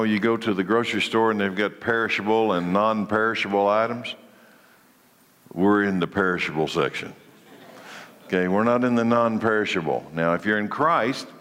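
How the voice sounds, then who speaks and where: A congested man leads a church Bible study in a large hall, preaching conversationally and often restarting his phrases. His voice is lowish with a fairly bright tone.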